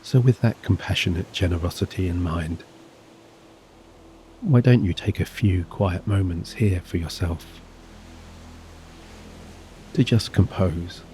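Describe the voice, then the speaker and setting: Very deep, dark-voiced man guiding sleep hypnosis. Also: a little hiss or hum. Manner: soothing, gentle, measured with long pauses. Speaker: hypnosis and meditation narrator. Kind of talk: guided sleep hypnosis, scripted narration. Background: soft relaxing music and gentle waves.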